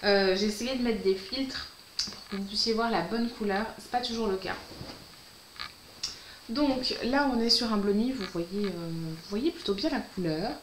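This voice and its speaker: A woman's voice: medium pitch, normal speed. An upbeat woman chats through a casual fabric unboxing vlog at home. Her voice sits in the middle of the usual range. The room gives it a noticeable echo, and a faint hiss runs underneath. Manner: bubbly and enthusiastic, often says she is delighted. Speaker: sewing vlogger and host. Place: at home, filming at night.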